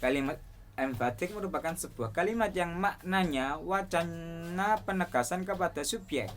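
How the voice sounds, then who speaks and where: Young male student presenter; reads a class assignment aloud in an even, explanatory way. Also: on the high side, moderate pace. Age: young adult. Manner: steady, explanatory listing of points.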